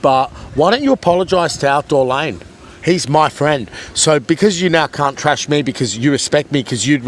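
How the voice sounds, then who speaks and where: A man's voice: fairly high pitch, a little hiss or hum. A man vlogging at a beach, rambling and taunting a commenter. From Australia. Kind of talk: rambling vlog monologue. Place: outdoors at a beach.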